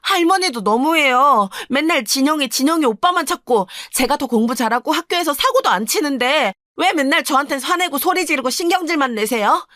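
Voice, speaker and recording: A woman doing a high, indignant teenage girl. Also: animated, fairly quick, few pauses, sharp tone, no room sound, clean studio sound. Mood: pleading. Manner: pleading, indignant complaints. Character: aggrieved teenage daughter, bright and indignant.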